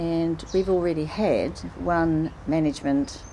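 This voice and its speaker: A woman talks at a very slow pace. Light background noise can be heard. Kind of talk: interview answer. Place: garden.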